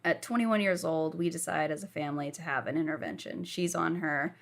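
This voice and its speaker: Low, gravelly young woman telling her story. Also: fairly quick. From southern United States. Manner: frank, unguarded storytelling. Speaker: podcast guest. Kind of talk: candid life-story telling. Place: lying down while recording.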